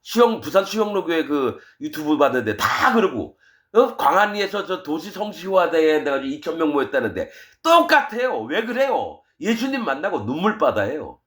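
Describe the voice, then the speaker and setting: A middle-aged man preaching a sermon as pastor, fiery and scolding, switching between loud outbursts and quiet asides. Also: on the high side, big pitch swings, normal speed.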